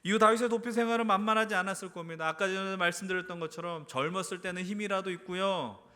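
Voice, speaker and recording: Man preaching, bright voice, echoing sanctuary. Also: fast talker. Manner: earnest, addresses the congregation with frequent rhetorical questions; swings between hushed low phrases and raised emphatic ones. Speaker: preacher at a church youth service. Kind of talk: sermon. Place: church sanctuary. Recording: reverberant hall.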